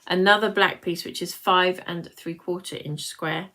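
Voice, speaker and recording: With a lowish, steady voice and a sharp edge, a British woman approaching fifty talks at a moderate pace while hosting a live craft demonstration. She rambles and chats, pausing her work to speak to viewers.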